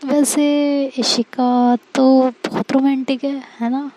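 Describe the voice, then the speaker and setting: A woman's voice: sits high, level tone, slow pace, background noise. A woman reading the part of a playful young woman who teases her newly married friend in a storybook love story. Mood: teasing. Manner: teasing, coaxing.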